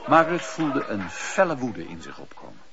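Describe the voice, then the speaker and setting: A man narrating a radio play in a dramatic, scripted storytelling style, with a husky voice. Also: mid-range voice, huge pitch swings, normal speed, background noise. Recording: dull, lo-fi radio play recording.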